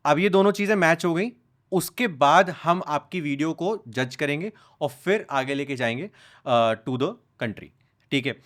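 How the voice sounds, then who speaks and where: A young man, a podcast guest, talking in a casual conversation and telling animated stories as he switches between Hindi and English. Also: on the high side, a little slow. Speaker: podcast guest, content creator.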